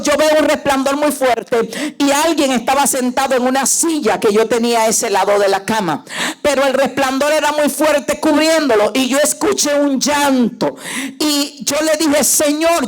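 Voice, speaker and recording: A woman pastor preaching a sermon, emphatic and full of rhetorical questions to her listeners. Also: high voice.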